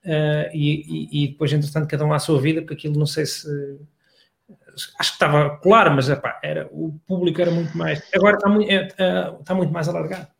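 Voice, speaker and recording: A man's voice: on the high side, fairly even intonation, fast talker, gravelly. A middle-aged man with a European Portuguese accent, chatting casually in laid-back slangy talk. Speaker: comedian and radio host, guest. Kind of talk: casual podcast chat.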